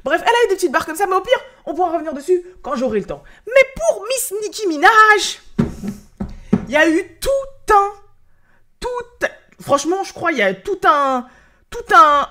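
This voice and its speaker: A woman hosting a hip hop news show, giving casual, animated and slangy commentary into her phone. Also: sits high. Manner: animated and excitable, slangy, with frequent restarts.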